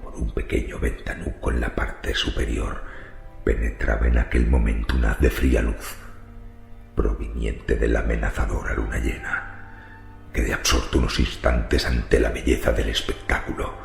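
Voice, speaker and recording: A man's voice: flat delivery, normal speed, exaggerated voice. A man playing a macabre, brooding cemetery wanderer who confides morbid secrets in a theatrical horror radio monologue. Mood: suspenseful, hushed. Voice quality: very deep, gravelly creaking voice. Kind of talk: dramatic first-person horror radio monologue. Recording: roomy reverberant voice over music. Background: faint music.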